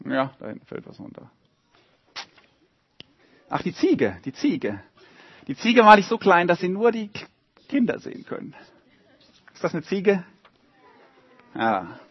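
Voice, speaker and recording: A man reading a story aloud to a group of children and drawing pictures along with it, in a lively, animated way. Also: sits high, a little slow, long pauses, breathy edge, no room sound, highs cut off.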